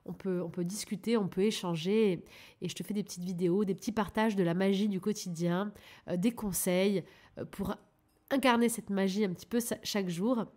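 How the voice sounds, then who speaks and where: A French woman speaks in a soft, encouraging coaching tone, addressing the listener directly as she guides them toward their goals. Her pitch sits in a middle range, and her delivery is relaxed and conversational, with the hesitations of unscripted talk. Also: moderate pace. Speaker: life coach and channel host. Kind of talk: casual coaching monologue.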